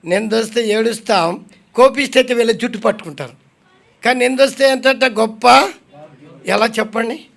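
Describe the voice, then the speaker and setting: High gravelly-voiced preacher. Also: male voice, a bit bright. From India. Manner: questions the congregation and answers himself; slows to read scripture aloud. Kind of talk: sermon.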